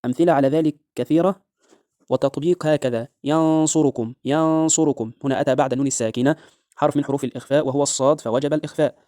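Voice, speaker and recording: A man with an Egyptian accent teaching Quran recitation rules. He keeps checking in with listeners and slows into a drawn-out chant for each recited example. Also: mid-range voice, fairly even intonation, mellow, dry recording, studio quality. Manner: checks in with a repeated rhetorical "right?". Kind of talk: tajweed lesson with recited examples.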